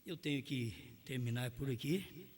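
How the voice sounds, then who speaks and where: A man with a Brazilian Portuguese accent preaching a sermon, swinging from shouted lines to quiet ones. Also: medium pitch, a little slow.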